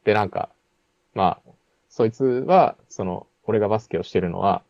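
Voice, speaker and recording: Low-voiced man telling a rambling story. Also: moderate pace, vocal fry, a little mellow, no room sound. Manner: rambling storytelling with frequent fillers. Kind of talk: casual chat. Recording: dull lo-fi sound.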